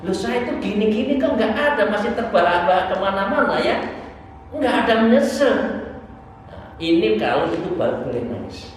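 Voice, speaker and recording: A man's voice: high voice, very animated, moderate pace. A man in his sixties with a Javanese accent gives an informal religious lesson, exhorting conversationally with rhetorical asides. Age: 60s. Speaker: Islamic preacher and Sufi teacher. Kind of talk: sermon, informal religious lesson explaining a book. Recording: very echoey hall, distant mic, faint noise.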